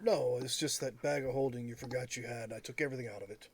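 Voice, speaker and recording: A man's voice: fairly even intonation, fast talker, crowd noise, close to an everyday voice. A man voicing a wisecracking plant monster disguised as a halfling, casual and sardonic, in a tabletop role-play. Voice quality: deeper than a halfling's voice should be.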